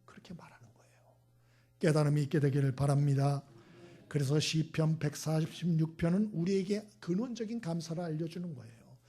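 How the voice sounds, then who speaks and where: Husky-voiced male pastor preaching. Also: a little high, fairly even intonation, dark tone. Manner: rhetorical questions, acts out God and Moses in quick voices, drops to a whisper. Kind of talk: sermon.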